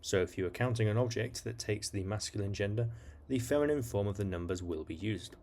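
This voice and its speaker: A man's voice: lowish voice, darkish tone, a little hiss or hum. A man hosting an educational video, reading scripted narration in an explanatory style. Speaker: video host.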